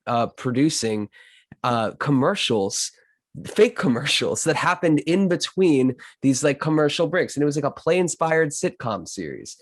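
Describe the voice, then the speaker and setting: A man hosting a podcast conversation in a loose, effusive way, halting and then landing on emphatic phrases. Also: medium pitch, dry recording. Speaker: podcast host. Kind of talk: casual conversational podcast interview.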